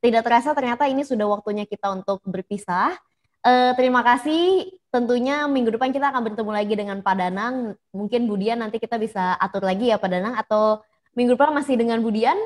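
A woman's voice: a little high, fast talker. A woman hosting an online seminar over a video call, politely thanking the speakers and reading out viewer comments. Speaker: seminar moderator. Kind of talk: hosting a webinar.

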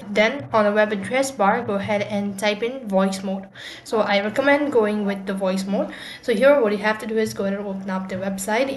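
An echoey, noisy home-style recording of a woman hosting a how-to tutorial. Her voice sits at a middle pitch. She explains each step haltingly, often repeating her phrases. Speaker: tutorial host. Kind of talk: explanatory screen tutorial voice-over. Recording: echoey room with clear background noise.

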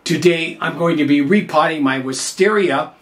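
Working by hand in a glass greenhouse, an older bonsai host with a hoarse, cold-affected voice talks casually and thinks aloud. His voice is on the high side and a bit bright, and he keeps a moderate pace.

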